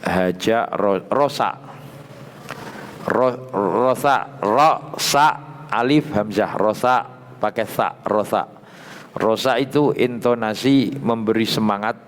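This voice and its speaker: A man with a Javanese accent leads a lecture on a classic religious text. He chants each Arabic phrase, then translates it plainly. His voice is smooth and resonant, with a long reverb from the prayer hall around him. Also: medium pitch. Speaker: Islamic boarding school teacher. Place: prayer room.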